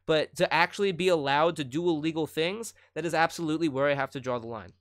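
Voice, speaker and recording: A man's voice: on the high side, quick pace, a bit bright. A young man hosting a debate over a video call from a small room, blunt and pressing for precise wording. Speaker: host. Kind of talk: heated casual debate. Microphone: webcam on a video call.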